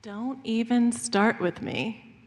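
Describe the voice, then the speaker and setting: A woman's voice: a little high, slow pace. A woman playing a stubborn, dismissive, terse squabbler in an amateur church readers' theater skit. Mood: irritated. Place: church sanctuary during a live service. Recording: distant voice with clear background noise.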